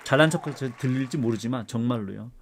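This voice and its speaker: A middle-aged man, an art professor, lecturing casually and switching between heated ranting and quieter asides. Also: mid-range voice, quick pace, a faint crowd, slight background noise. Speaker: art professor and channel host.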